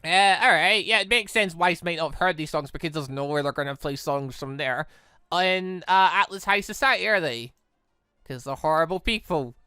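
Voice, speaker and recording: A man giving rambling, excitable let's play commentary on a close microphone, slipping between asides and character readings. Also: a little high, normal speed, clean tone, no room sound. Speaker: gaming channel host. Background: game music.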